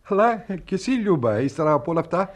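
A rambling genteel gentleman. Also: sits high, very animated. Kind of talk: radio play acting.

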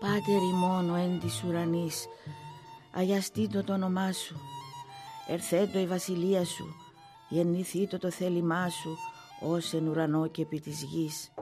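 An old Cypriot Greek mother played by an actress in a dialect drama. Her voice is creaky and tired, full of worry and piety, with faint music behind it. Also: fairly low pitch, flat delivery, lightly acted. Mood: praying. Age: older. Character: anxious, pious old mother, weary and complaining. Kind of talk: dramatic dialogue and monologue in dialect.

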